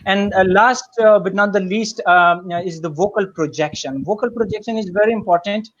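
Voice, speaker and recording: A man's voice: sits high, normal speed, muffled recording. A man giving a spoken lesson on public speaking, hesitant and full of fillers and restarts. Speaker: guest speaker.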